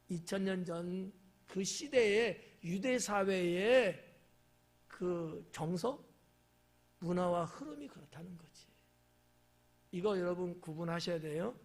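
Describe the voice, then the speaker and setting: A male pastor preaching a casual, conversational sermon at an evening church service, often quizzing the congregation and acting out quoted lines. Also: high voice. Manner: acts out quoted lines in shifting voices.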